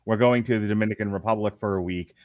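A man's voice: fairly low pitch, fairly even intonation, fast, darkish tone, dry recording, clean studio sound. A man in casual conversation as a podcast co-host, rambling along conversationally. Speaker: podcast co-host and network owner. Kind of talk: casual chat.

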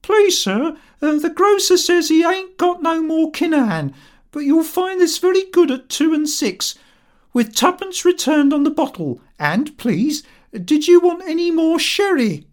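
High-pitched servant girl. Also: expressive, unhurried. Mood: eager, deferential. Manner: breathless deference, uneducated speech. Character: excitable Victorian maidservant, deferential and artless.

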